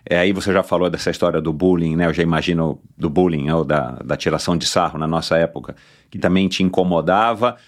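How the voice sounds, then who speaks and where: A man's voice: deep voice, fast. A man hosting an interview who backs the guest with short affirmations and asks long, rambling questions. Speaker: interview host. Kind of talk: casual interview talk.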